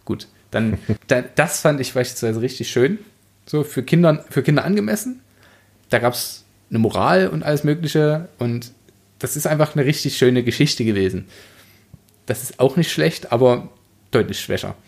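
A man's voice: mid-range voice, animated, moderate pace, gravelly. A man hosting a casual book discussion, reflective and often rephrasing himself as he goes. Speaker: podcast host.

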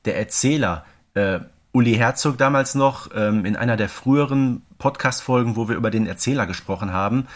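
A man's voice: mid-range voice, a little fast, few pauses. A man chatting casually and emphatically as an enthusiastic podcast co-host. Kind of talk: casual chat reviewing an audio drama.

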